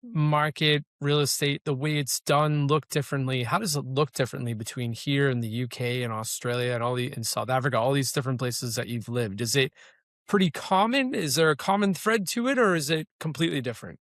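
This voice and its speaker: A man hosting a local interview show, introducing his guest and asking questions. He talks conversationally and leans on fillers. His voice is at a middle pitch, captured close with a dry sound. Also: fairly quick, fairly bright tone, dry recording. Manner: conversational, with fillers like "you know". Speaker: podcast host.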